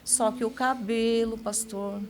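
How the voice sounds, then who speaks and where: Over a noisy background, a woman with a slightly high voice speaks slowly and with fairly even intonation. She is a church member casually giving her testimony to a pastor, often ending sentences with "né?" and repeatedly calling the listener pastor.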